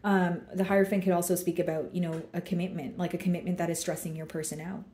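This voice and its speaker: A woman reads tarot in a relaxed, chatty way, filling pauses with likes and you knows as she turns each card. Her voice sits a little low and sounds mellow. The room gives it a noticeable echo. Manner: relaxed and chatty, many fillers, talking through cards as she draws them. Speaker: tarot reader. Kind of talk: casual tarot reading to camera.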